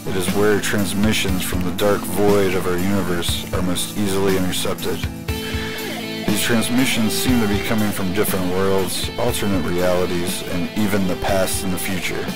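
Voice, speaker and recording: A man reading a scripted, mysterious horror show introduction in an ominous, measured manner. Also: low-pitched, little pitch movement, rough recording. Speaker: show announcer. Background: loud plucked-string music.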